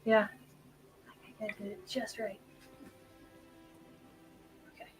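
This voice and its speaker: A woman's voice: mid-range voice, little pitch movement, slow pace, soft background music, low-quality recording. A woman player in casual table chat, swearing freely and reciting crude song lyrics with a gleeful edge.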